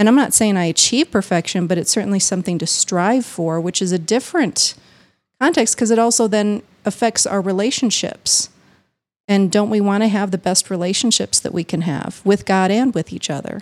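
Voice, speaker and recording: With an American accent, a woman of medium pitch and ordinary pitch variation has an unremarkable speaking voice on a very clean recording with a silent background. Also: fairly quick pace. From US Midwest. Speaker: podcast guest. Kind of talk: casual chat.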